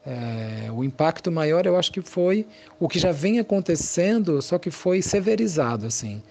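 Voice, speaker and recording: A Brazilian man, a psychologist being interviewed, gives conversational explanations in a thoughtful, halting way, searching for his words. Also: fairly high pitch, expressive, creaky, darkish tone.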